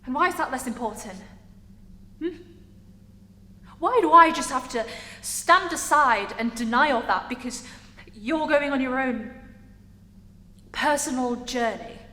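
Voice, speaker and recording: A woman playing a hurt, defiant young gay woman in a halting, emotional theatre monologue. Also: sits high, fairly bright tone. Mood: indignant. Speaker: acting student. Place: large reverberant indoor room. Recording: echoey hall with background noise.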